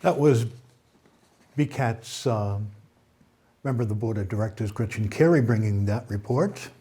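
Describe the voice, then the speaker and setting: Mellow-voiced man anchoring local news. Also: lowish voice, unhurried, slight background noise.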